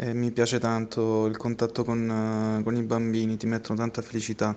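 A man speaks at a fairly slow pace in a normal speaking voice at medium pitch. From Puglia, Italy. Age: 20s. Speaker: engineering student and volunteer. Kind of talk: casual interview answers.

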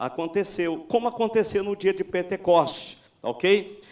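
The man's voice is high-pitched. He speaks at a fairly slow pace. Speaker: historian of Pentecostalism, pastor. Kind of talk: lecture with audience Q&A. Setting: church stage with audience.

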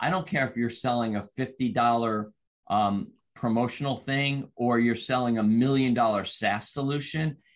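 Over a quiet background, a man with a plain, everyday voice speaks at a medium pitch and a moderate pace. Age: 50s. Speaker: sales coach. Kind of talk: interview.

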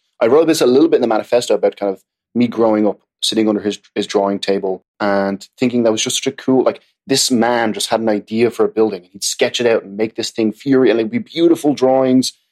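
With an Irish accent, a man talks at a very fast pace and ordinary pitch variation, recorded dry and close with no echo on a very clean, silent background. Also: medium pitch for a man. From Ireland. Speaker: startup founder, software CEO. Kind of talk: interview conversation. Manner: enthusiastic, animated.

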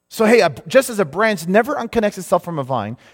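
An unforced reading voice, its pitch varying an ordinary amount

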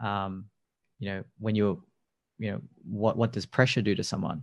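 A man with an Australian accent speaks at a moderate pace and fairly low pitch with vocal fry. The background is quiet. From Sydney, Australia. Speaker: designer and business coach. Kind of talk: interview conversation.

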